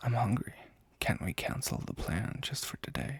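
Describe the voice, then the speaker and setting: Everything is whispered. The delivery is fairly slow. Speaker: ASMR creator reading a book aloud. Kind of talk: audiobook-style reading. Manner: soft-spoken.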